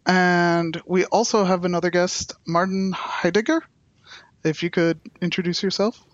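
A man's voice: sits high, fairly even intonation, a little slow, no room sound, lo-fi sound. A man hosting a podcast, introducing guests and putting questions to them. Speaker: podcast host.

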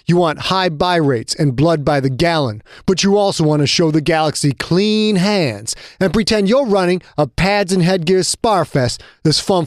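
A man's voice: on the high side, no echo. Man doing a furious defiant fighter, contemptuous, dry close sound. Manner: angry, contemptuous. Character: defiant young male fighter, furious and proud.

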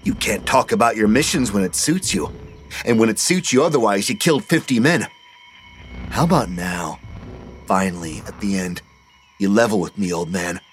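A man's voice: sits low, moderate pace, a little hiss or hum, lightly acted. A man voicing a cold, scornful boy who leads a gang, mocking in a raised voice.

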